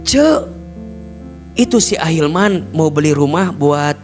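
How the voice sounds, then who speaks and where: A man with a Sundanese accent giving a lively sermon, acting out everyday conversations and breaking into loud, emphatic lines. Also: fairly high pitch, slow, faint music behind. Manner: animated, acts out everyday dialogues, bursts into loud emphatic lines. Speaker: preacher. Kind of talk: lively sermon to a mostly female audience.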